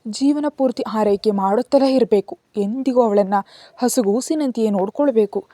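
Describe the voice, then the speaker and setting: A woman's voice: fairly high pitch, moderate pace, mellow, dry recording, clean studio sound, lightly acted. Arjun, a stern young father, read by a woman. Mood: pleading. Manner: curt, commanding. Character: stern wealthy young father, guarded and commanding.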